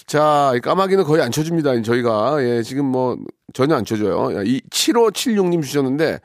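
A quick-talking male host with a lively, bouncing delivery, teasing callers and telling them off with playful bossiness. The voice sits a little high and is recorded dry and close. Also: no room sound. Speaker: radio show host. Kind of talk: casual radio call-in banter.

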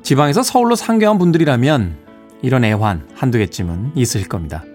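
Man morning radio DJ from Seoul, playful, pitch rising and falling freely, studio mic. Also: quick pace, soft background music. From Seoul, South Korea. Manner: lively, playful, chuckles between messages. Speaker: radio show host. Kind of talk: morning radio show, reading listener texts.

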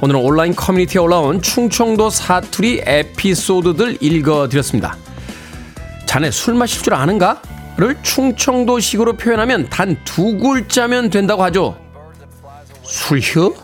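A middle-aged man presents a radio show from the studio, chatty and easy as he reads listener messages and promotions. His voice sits a little high for a man. Faint music plays under him. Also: animated, normal speed. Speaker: radio host. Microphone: studio microphone.

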